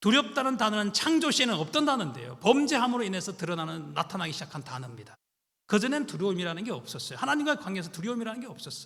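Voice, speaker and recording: Talking at a very fast pace, a man uses a high, bright, sharp voice with very wide pitch swings and big swings in loudness. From Korea, region bordering Gyeongsang. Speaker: seminary professor, retreat speaker. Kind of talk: sermon. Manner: stiff, hard-sounding speech.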